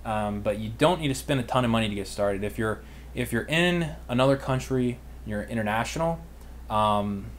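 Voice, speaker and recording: Talking at normal speed in a medium-pitched voice, an American man in his twenties answers questions from livestream viewers. As an online business mentor, he keeps it casual and slangy; a little hiss or hum is audible.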